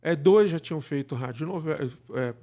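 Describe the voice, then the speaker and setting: Warm in tone and fairly high-pitched, a Brazilian man talks at a moderate pace as an interview guest. A radio drama director, he explains conversationally and frequently tacks on little tag questions to check that listeners agree.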